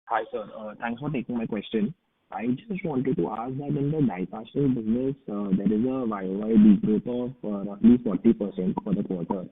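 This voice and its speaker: A man's voice: lowish voice, fairly quick, slightly rough, no room sound. A man with an Indian accent calling in as an analyst to put a question on an earnings call. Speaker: financial analyst caller. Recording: dry, phone-like call line.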